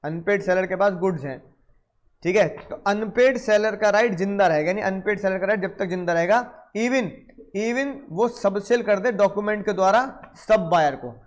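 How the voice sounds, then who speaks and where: A man teaching a law class in mixed English, lively, questioning his students and acting out small dialogues. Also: high voice, moderate pace. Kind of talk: classroom lecture.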